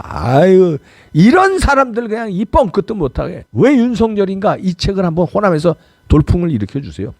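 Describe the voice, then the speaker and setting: Brief: middle-aged male commentary host, fiery and pleading, pitch swings wildly, dry close sound. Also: dry recording. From Seoul, South Korea. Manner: impassioned, pleading and scolding, mocking impressions. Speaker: political commentary channel host. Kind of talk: fiery political commentary monologue.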